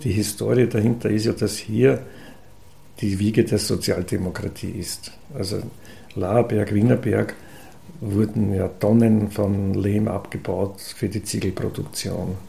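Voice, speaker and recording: There is noticeable background noise as a man speaks at a fairly low pitch. His pace is fairly slow, with long, frequent pauses. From Austria, Lower Austria countryside and Vienna. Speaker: environmental activist and foundation co-founder. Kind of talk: interview. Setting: office.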